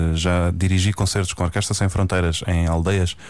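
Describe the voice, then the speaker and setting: Talking at a fairly quick pace, a man has a very deep, low voice. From Portugal. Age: 20s. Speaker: orchestra conductor. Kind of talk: casual radio interview.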